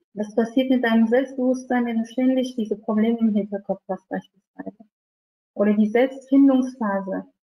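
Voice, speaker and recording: A woman's somewhat breathy, fairly high voice keeps a fairly even intonation. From Turkey, Sivas; Turkey. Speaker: seminar speaker, charity founder; presenter. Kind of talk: lecture. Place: home room. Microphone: webcam.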